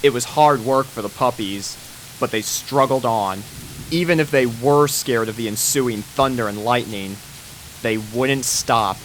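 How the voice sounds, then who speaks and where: A man narrating a fan-written pony story in a steady storybook manner. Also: medium pitch, unhurried, slight background noise. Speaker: fanfic reader.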